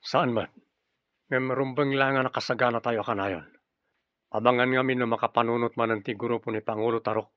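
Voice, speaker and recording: An actor playing a brave, vigilant young tribal warrior, the chief's son, in an Ilocano-accented radio drama. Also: male voice, medium pitch, fairly even intonation, brisk, no room sound, muffled recording, lightly acted. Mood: watchful. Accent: Filipino, Ilocano.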